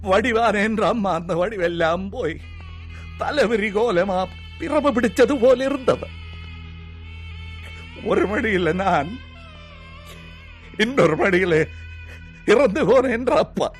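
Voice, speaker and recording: An actor playing a timid man with a Sri Lankan Tamil accent who is afraid of everything, reeling off his fears to a doctor in rapid rhyming lists. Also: high-pitched, lively intonation, faint music behind. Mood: sorrowful telling. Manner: rapid rhyming list-like recitation, nervous. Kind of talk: film comedy acting.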